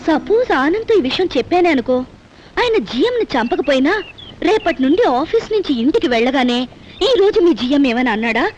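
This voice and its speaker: A woman's voice: sits high, big pitch swings, a little fast, darkish tone. An actress playing an anxious young wife who confides her worries to a friend in a Telugu film drama. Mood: worried. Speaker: wife, office worker.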